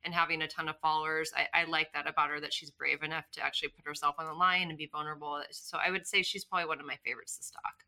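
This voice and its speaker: A woman's voice: low voice, little pitch movement, rapid-fire, hardly any pauses, bright, forceful tone. A woman in her thirties, a boutique owner chatting as a podcast guest, talking enthusiastically and gushing about what she loves. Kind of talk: casual chat.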